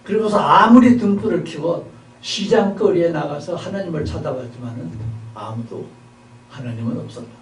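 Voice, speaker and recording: Man preaching, rhetorical questions, loud and soft swings, slightly high voice, roomy echo. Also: animated, moderate pace, a little hiss or hum. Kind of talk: sermon. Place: seminary chapel service. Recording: echoey hall, mic at a distance.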